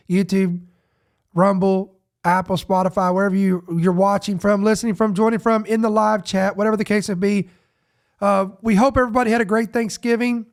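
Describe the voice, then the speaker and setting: A man hosting a news podcast, sniffly with a head cold, talking off the cuff in a rambling, casual way with many restarts. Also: sits high. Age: adult parent. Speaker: podcast host.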